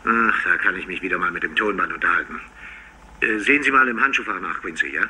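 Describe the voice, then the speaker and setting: An actor playing a brisk, affable industrialist leaving a casual, businesslike message on tape from a car phone. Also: male voice, low-pitched, sharp tone, husky, full character voice. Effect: car phone recorded on tape. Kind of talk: dubbed TV crime drama acting.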